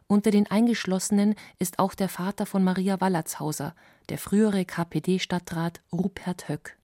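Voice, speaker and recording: A woman narrating a historical documentary in a measured, sober scripted voice. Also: medium pitch, steady tone, dark tone, dry recording, studio quality.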